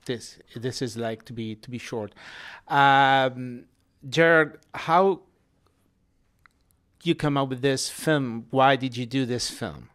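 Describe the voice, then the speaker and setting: A man's voice: medium pitch, takes it slowly, a bit bright. Man interviewer groping for words. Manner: searching for words, repeats himself. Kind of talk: press interview questions. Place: festival press room, indoors. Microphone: handheld mic.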